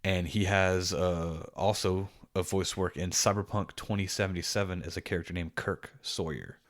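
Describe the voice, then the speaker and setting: A man co-hosting a casual gaming podcast, rambling and animated, often restarting his sentences. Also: low-pitched, normal speed. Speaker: podcast co-host.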